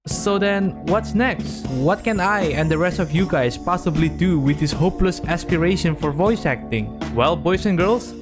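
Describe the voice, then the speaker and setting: A man's voice: on the high side, lively intonation, normal speed, few pauses, over music. A man giving casual scripted YouTube commentary in a blunt, sweary, self-deprecating way. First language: not Japanese. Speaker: YouTuber narrator.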